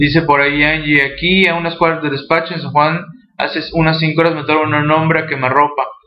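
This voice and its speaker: A man with a fairly high pitch speaks in a monotone, flat intonation, with noticeable background noise and audible room echo. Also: fairly quick pace. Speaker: tax webinar instructor. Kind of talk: online lecture. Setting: video webinar with screen sharing. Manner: casual, many fillers.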